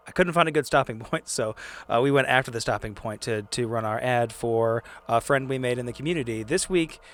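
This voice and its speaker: A man with an ordinary, middle-pitched voice. He talks casually and informally, as a podcast regular and player in a tabletop game show would. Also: fairly quick, a bit bright. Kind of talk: casual chat.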